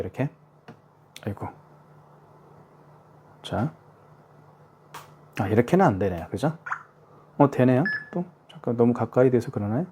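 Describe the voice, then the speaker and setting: Casual male demonstrator, mid-pitched, talks through each step, faint hiss and clicks behind. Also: mellow. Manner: chatty, self-narrating each step, frequent "자" and "그죠?". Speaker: product demonstrator. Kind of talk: casual product tutorial.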